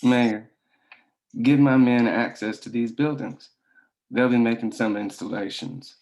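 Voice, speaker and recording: A man's voice: mid-range voice, fairly even intonation, measured pace, a little mellow, lightly acted, rough recording. A man playing a stern, domineering mine boss and father in a script table read. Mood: commanding.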